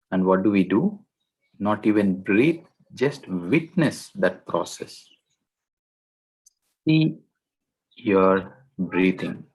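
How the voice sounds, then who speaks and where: Male meditation guide, slow and gentle, with a low voice and deliberate pauses. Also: husky, rough recording. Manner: gentle, deliberate, short phrases with long pauses.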